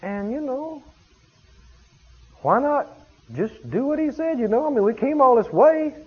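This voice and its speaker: A deferential male aide speaks in a coaxing, casual way, as a preacher puts him on. His voice sits high and a little husky. The recording sounds dull and lo-fi. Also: sing-song, unhurried, full character voice.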